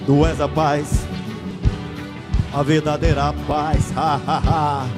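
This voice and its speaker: Brief: Brazilian male worship leader, high voice, leading the congregation in song over a loud band. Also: level tone, takes it slowly. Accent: Brazilian Portuguese. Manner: leads the congregation with call-outs between sung lines. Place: church sanctuary. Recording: loud band music under the voice. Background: live band music.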